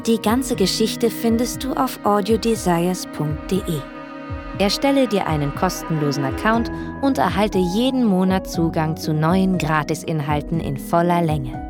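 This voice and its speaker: A woman with a slightly low voice reads a friendly promotional outro in an inviting tone. Music plays clearly under her voice. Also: unhurried. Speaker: outro announcer. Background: music bed.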